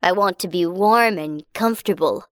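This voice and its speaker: A woman's voice: lowish voice, normal speed, a bit bright, smooth, no room sound, studio quality, lightly acted. A woman voicing a polite, demanding frog. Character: polite greedy male frog.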